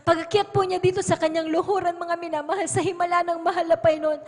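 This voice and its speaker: High-voiced Filipino woman giving church testimony. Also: steady tone, fast. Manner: earnest, repeats "mga minamahal" as address. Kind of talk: testimony at Sunday worship. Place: church hall. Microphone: pulpit microphone. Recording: church livestream with long hall reverb.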